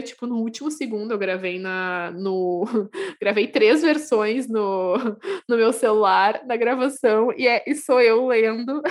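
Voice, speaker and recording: Chatty young woman, fairly high voice. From Brazil. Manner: animated storytelling, frequent laughs and self-corrections. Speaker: podcast guest. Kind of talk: casual chat.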